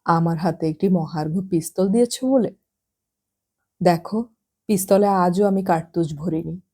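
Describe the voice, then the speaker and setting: A man's voice: sits high, a little slow. A woman playing a weary, brooding young man. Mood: bitter. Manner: quiet, questioning, brooding. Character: weary, bitter young man, former boxer.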